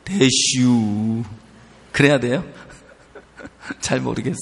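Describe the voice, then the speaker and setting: A male pastor delivers a sermon in a church sanctuary, speaking slowly with a high voice that leaps up and down as he acts out a stubborn elderly mother's replies. His voice rings with the long reverb of the hall. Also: big pitch swings, a bit bright, a little hiss or hum. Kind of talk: sermon with acted-out anecdotes.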